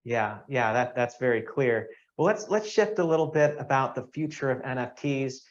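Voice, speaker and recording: Guy hosting a podcast interview, calm, short questions, muffled lo-fi sound. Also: medium pitch, moderate pace.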